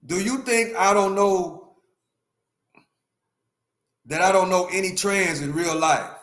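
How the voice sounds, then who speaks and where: A man's voice: high voice, slow pace, a bit bright, echoey room. A man in his fifties ranting emphatically on a livestream, repeating his points and talking straight to his chat. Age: 50s. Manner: emphatic, repetitive, talks to chat. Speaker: livestream host. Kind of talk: opinionated livestream rant.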